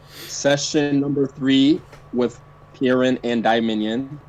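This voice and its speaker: Over noticeable background noise, a man speaks in a flat monotone. His medium-pitched voice moves at a fairly slow pace. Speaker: fighting game coach. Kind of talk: casual tutorial chat.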